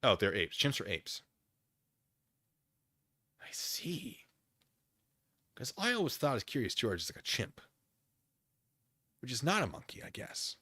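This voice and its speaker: A man's voice: mid-range voice, huge pitch swings, measured pace, long pauses, sharp tone, slightly rough, no room sound, studio quality. A man hosting a livestream, chatting casually with viewers in a theatrical, emphatic manner. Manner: theatrical, emphatic, exasperated debating. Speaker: livestream host.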